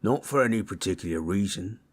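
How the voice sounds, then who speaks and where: A man voicing a gentle, comforting orc in intimate roleplay audio, telling tribal lore in husky, unhurried, rough and ungrammatical speech. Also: lowish voice, animated. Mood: somber. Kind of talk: intimate roleplay audio, slow soothing storytelling.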